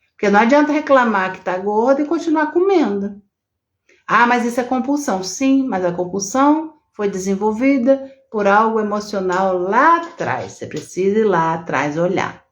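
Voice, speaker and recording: A woman's voice: mid-range voice, highs cut off. Brazilian woman, middle-aged, therapist hosting a live stream; chatty, teacherly, lots of tag questions. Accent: Brazilian Portuguese. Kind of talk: casual live-stream talk, reading viewer comments.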